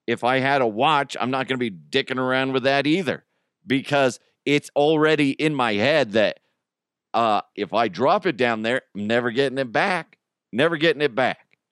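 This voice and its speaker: A man's voice: medium pitch, moderate pace, a bit bright, smooth, no echo, clean studio sound. A middle-aged man hosting a podcast as a casual, jokey solo monologue with crude humor. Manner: jokey, crude, acts out imagined exchanges. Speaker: podcast host.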